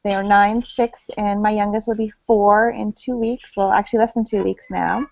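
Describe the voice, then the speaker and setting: A woman in her thirties, upbeat and energetic, introducing herself on a video call. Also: mid-range voice, moderate pace, creaky, dry recording. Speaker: guest on a video hangout. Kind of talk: casual self-introduction. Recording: dull lo-fi video call audio.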